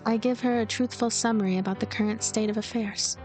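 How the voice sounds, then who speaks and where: A woman's voice: on the high side, steady tone, fast talker, a little mellow, faint music behind, lightly acted, poor audio. A woman voicing a cynical, lonely girl who narrates her own visual novel story in a blunt, wry, calculating way. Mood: cool, calculating. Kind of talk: first-person visual novel narration read aloud.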